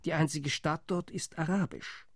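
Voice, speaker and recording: A man's voice: fairly high pitch, steady tone, moderate pace, no echo, clean studio sound. An actor playing a sardonic Arab spokesman who scorns the partition plans, in a radio play. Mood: scornful. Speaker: Arab-side delegate.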